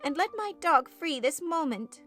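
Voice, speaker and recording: A woman's voice: high voice, lively intonation, normal speed, a bit bright, faint music behind, voice pushed up. A woman voicing a spoiled, imperious and petulant young girl in an audiobook, easily upset and indignant. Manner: haughty, petulant, demanding. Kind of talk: audiobook character voice.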